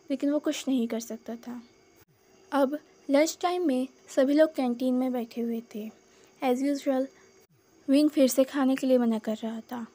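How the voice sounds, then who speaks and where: A woman's voice: sits high, warm tone. A woman hosting her channel, reading her own fan story aloud in a conversational storytelling way. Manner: conversational storytelling with speech tags.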